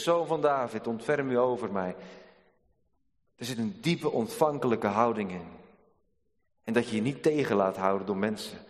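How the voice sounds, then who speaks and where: A male pastor preaching a sermon in a church, earnest and measured, with dramatic pauses. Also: fairly low pitch. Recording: long church reverb.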